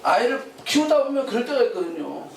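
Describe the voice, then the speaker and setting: A man's voice: very high-pitched, sing-song, fast, vocal fry, background noise. A male pastor preaching a sermon in a church sanctuary, often questioning the congregation and calling for their responses. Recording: roomy hall, voice from a distant mic.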